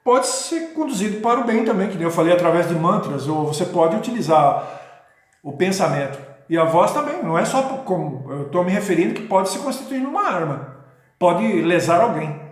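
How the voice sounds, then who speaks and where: A man's voice: high-pitched, very animated, brisk. A man talking in a rambling, casual way with many restarts and checking questions, as host of his own video. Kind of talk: casual spoken talk on spirituality. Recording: very echoey room.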